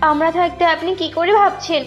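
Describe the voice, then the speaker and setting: Cartoon role: woman playing wronged fox wife, high protesting voice, muffled track with music. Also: steady tone, fairly quick. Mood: distressed protest. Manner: pleading, protesting. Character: wronged, pleading young fox wife and mother. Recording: dull lo-fi audio over music.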